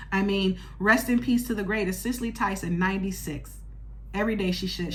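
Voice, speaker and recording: A woman in her thirties hosting her podcast as a candid solo monologue, expressive and blunt, swearing freely. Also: lowish voice, a little hiss or hum. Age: 30s. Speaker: podcast host.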